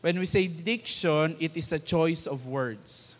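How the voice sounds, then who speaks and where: A man's voice: fairly high pitch, slow pace. A man with a Filipino accent giving a conversational church teaching, mixing English into his talk and acting out quoted lines. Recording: church hall with long reverb.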